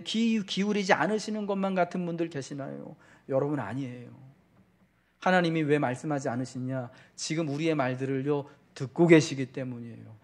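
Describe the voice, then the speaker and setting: A male pastor delivering a Sunday sermon, talking straight to the congregation with repeated questions and swelling, slowed-down emphasis on key words. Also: a little high. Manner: fervent preaching that slows and swells for emphasis.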